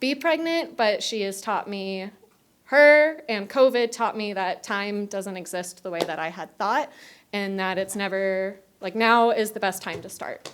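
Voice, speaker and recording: A woman with an American accent has a normal speaking voice at a medium pitch. She talks at a fairly slow pace with lively intonation and big swings in loudness. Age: young. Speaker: political candidate. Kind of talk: candidate interview closing statement.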